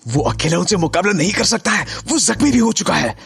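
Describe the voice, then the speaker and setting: Anxious brave young hero, highish creaky voice, horror audio drama. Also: male voice, expressive, fairly quick, a bit bright, faint music behind, full character voice. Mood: worried, pleading. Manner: anxious, earnest, insistent. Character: earnest, brave young lawyer fighting vampires.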